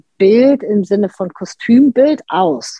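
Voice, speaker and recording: The pace is very slow. This woman's intonation is lively. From Ruhr area, Germany (Wetter). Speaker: costume and stage designer. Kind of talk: interview conversation. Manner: halting, many fillers.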